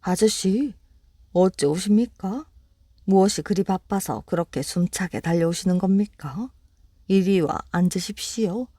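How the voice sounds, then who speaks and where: A woman's voice: mid-range voice, unhurried, mellow, husky, no room sound, studio quality. A woman voicing a clever, sly little rabbit in a bedtime storybook reading, talking politely and persuasively. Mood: polite coaxing.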